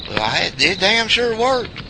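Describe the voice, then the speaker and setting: A high, twangy Southern country man played by a man in an audio drama. He is sarcastic and quick-tempered, always griping at his partner. Clear outdoor noise runs behind him. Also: big pitch swings, heavily acted. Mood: sarcastic, complaining. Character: hot-headed, sarcastic rural Southern good ol' boy.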